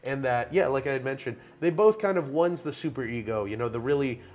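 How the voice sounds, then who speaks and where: A man with a raspy voice talking casually and animatedly about a film, in long run-on thoughts full of fillers. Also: medium pitch, lively intonation, brisk, darkish tone. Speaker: podcast host.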